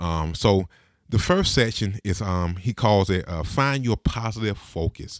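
A man with a fairly low pitch talks at a fairly slow pace, with ordinary pitch variation and an ordinary speaking voice. The recording is very clean and silent behind him, with a dry, close sound with no echo. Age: 30s. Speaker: podcast host. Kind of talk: casual solo monologue.

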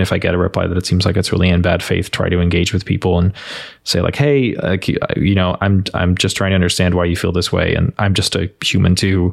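Speaking fairly quickly with a Dutch accent, a man has a very deep, low pitch and very even loudness. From Netherlands. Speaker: app designer and co-founder. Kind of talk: interview.

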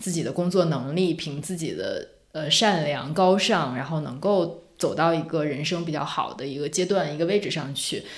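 A woman's fairly low-pitched voice with lively intonation at a moderate pace, amid audible room echo. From Northeast China, small town in southeast Heilongjiang. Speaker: podcast co-host, journalist. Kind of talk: casual chat.

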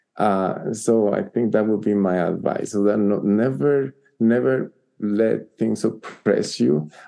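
A man with a Guatemalan accent, fairly low in pitch, at a very slow pace, with ordinary pitch variation and very even loudness. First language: Spanish. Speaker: professor of math teacher education. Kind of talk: casual interview. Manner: halting, with many fillers.

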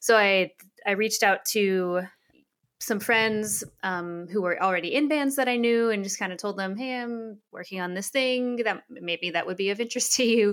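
A woman with an American accent has a plain, everyday voice at medium pitch, with ordinary pitch variation at a moderate pace. The recording is very clean, with a silent background. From Texas. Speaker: musician. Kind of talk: casual chat.

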